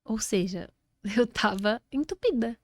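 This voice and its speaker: A Brazilian woman tells a personal story as a talk-show guest, her voice sitting a little high. She jumps into the voices of the people she quotes and keeps the retelling animated. The sound is close and dry, with no room around it. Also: measured pace, no echo. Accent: Brazilian Portuguese. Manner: animated, acts out quoted speech. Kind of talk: casual storytelling interview.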